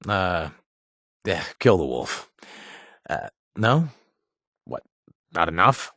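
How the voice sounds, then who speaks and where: A man's voice: low voice, very animated, slow, bright, forceful tone, no echo, studio quality, full character voice. An actor playing a chatty, jittery man handing out jobs in a video game, rambling with joking asides and squeamish about bugs. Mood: offhand briefing. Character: jittery, wisecracking male wasteland quest-giver, squeamish. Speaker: companion character in a video game. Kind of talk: studio game voice acting.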